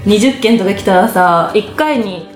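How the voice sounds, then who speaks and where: A woman's voice: medium pitch, animated, a little slow, roomy sound, faint music behind. A woman co-hosting a casual talk show, chatting and telling stories with frequent laughs. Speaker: podcast co-host. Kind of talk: casual chat.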